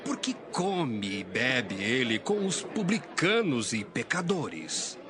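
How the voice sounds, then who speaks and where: Guy playing a disapproving pharisee, pointed and slow, expressive pitch, bible audio drama. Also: over music. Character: disapproving scribe or Pharisee man.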